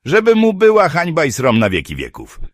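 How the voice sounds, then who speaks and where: A man voicing a gruff, crude male dwarf who schemes and talks bluntly in an audiobook. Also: fairly high pitch, huge pitch swings, fairly quick, dry recording, studio quality, voice pushed up. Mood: scheming. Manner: coarse, conspiratorial.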